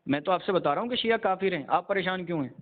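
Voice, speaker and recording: Mufti arguing with a caller, high male voice, insistent and lecturing, tinny phone line. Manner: insistent, lecturing, repeats himself. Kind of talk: heated religious phone debate.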